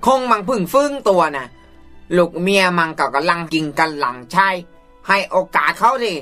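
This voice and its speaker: A man plays a blunt, rough-talking friend with a high, lively and bright voice. He urges and pleads, and faint music sits behind him. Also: moderate pace, full character voice. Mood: pleading. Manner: rough casual talk, urging.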